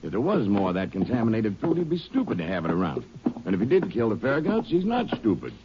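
Noisy old radio western: skeptical country sheriff, folksy, dry, lowish animated voice. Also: male voice, fast, muffled recording. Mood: doubtful, folksy. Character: skeptical, plain-spoken small-town Texas sheriff. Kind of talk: 1950s radio drama acting.

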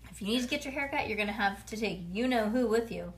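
A woman's voice: a little high, quick pace, close to an everyday voice. A woman reading the part of an exasperated, commanding mother in a storybook, insistent and scolding.

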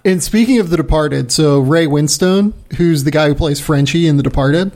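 A man with a fairly high, gravelly voice, chatting casually as a podcast host. He talks loosely and often repeats his words. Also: moderate pace, darkish tone. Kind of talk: casual chat.

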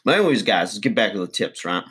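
A man's voice: on the low side, very animated, fast, fairly bright tone, slightly rough, heavily acted. A man playing a crude, boastful middle-aged redneck uncle, rambling folksy advice in a comedy monologue.

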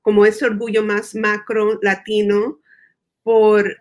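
A woman's voice: mid-range voice, monotone, slow pace. A woman interviewee who lives in the United States, explaining her ideas thoughtfully, repeating words as she thinks and slipping in English terms. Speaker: guest expert. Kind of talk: conversational interview.

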